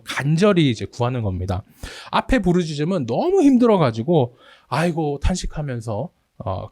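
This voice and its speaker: A man's voice: medium pitch, darkish tone, dry recording, clean studio sound. A man preaching a sermon as pastor, acting out anguished prayers in a raised voice. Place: church sanctuary.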